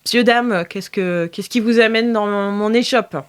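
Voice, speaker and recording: A woman's voice: medium pitch, moderate pace, smooth, lightly acted. Woman acting a shady, panicky middle-aged shopkeeper woman. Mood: guarded. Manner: pleading, warning, exclaiming. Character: shady, fiftyish apothecary woman, evasive and panicky.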